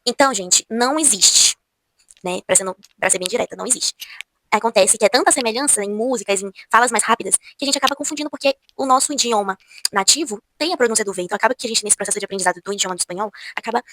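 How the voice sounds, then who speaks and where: Brisk Brazilian woman teaching pronunciation. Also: fairly high pitch, fairly bright tone, no room sound. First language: Portuguese. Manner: demonstrates sounds by repeating words slowly. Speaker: Spanish teacher. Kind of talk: casual video lesson.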